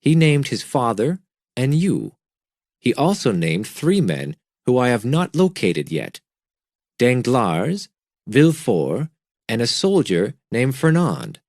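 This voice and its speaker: A man voicing a grave, quiet priest. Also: medium pitch, no room sound, clean studio sound, exaggerated voice. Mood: solemn. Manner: calm, measured, quiet. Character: pale, grave male priest on a secret mission.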